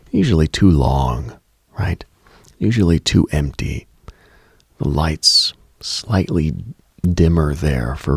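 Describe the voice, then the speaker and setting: A man with a low, heavily creaky voice narrates an atmospheric late-night radio monologue. He takes his time, speaking slowly and deliberately with pauses between phrases. His husky delivery is hushed, often sinking toward a whisper. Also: no room sound, studio quality. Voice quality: gravelly, husky, breaking into whisper.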